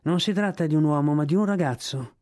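A man's voice: fairly high pitch, brisk, darkish tone, close to an everyday voice. A man reading aloud, voicing a matter-of-fact head elephant catcher.

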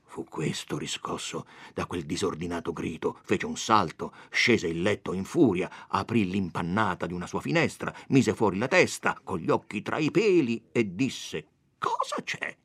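A man giving a dramatic reading of a classic novel, expressive and animated. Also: normal speed, few pauses, husky, no room sound. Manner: expressive, raises pitch for quoted characters. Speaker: audiobook reader.

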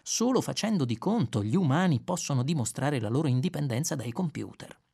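Guy reading a sci-fi audiobook, lively expressive storytelling. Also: mid-range voice, a little fast, gravelly, husky. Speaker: audiobook narrator. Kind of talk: scripted narration.

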